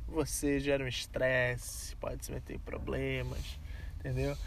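A man's voice: medium pitch, little pitch movement, measured pace, vocal fry. A man with a Brazilian Portuguese accent telling stories casually, full of slang and swearing, acting out the dialogue. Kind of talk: casual anecdote telling among friends. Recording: some background noise.

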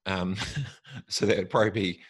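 Low-voiced New Zealand man in dry sound. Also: steady tone, normal speed, slightly rough, dry recording. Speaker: interview guest. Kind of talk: casual reflective conversation.

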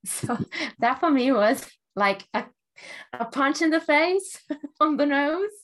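A woman's voice: high-pitched, expressive, slow, a bit bright. A woman from Germany who is not a native English speaker, a relationships coach telling her story as an interview guest, thoughtful and often laughing.

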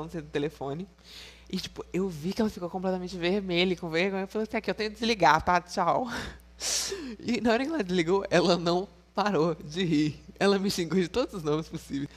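A young man vlogging in casual, frank storytelling to his viewers, playful and quick to laugh. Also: sits high.

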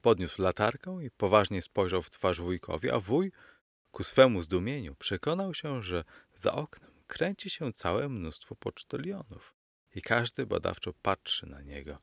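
Deep gravelly male storyteller. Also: sing-song, a little slow, dry recording, clean studio sound. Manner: storyteller addressing listeners as gentlemen. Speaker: audiobook narrator. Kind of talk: scripted storytelling narration.

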